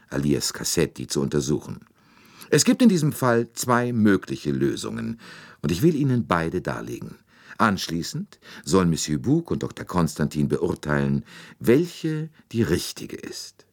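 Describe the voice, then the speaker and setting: A man voicing a fussy, shrewd older Belgian detective who speaks precisely and probes politely. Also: heavily acted. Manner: precise, politely probing, rising pitch.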